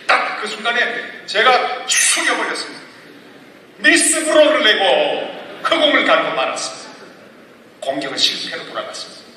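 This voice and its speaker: Bright-voiced male pastor in an echoing hall. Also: a little high, a little hiss or hum. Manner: animated, with sudden excited bursts and laughter. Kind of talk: storytelling sermon. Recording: echoey hall, mic heard from a distance.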